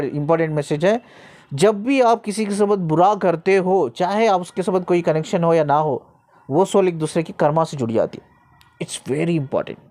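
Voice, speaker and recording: A man's voice: sits high, darkish tone. Earnest man giving a spiritual talk. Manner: repeats phrases for emphasis, frequent "okay" checks; earnest, explanatory, speaks to the listener directly. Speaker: spiritual guide. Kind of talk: spiritual teaching monologue.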